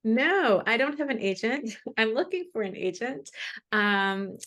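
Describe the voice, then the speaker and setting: A woman's voice: fairly high pitch, lively intonation, a little slow, fairly bright tone. A woman speaking as a guest author in a casual video call interview, with an enthusiastic, emphatic way of talking. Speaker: children's book author and guest.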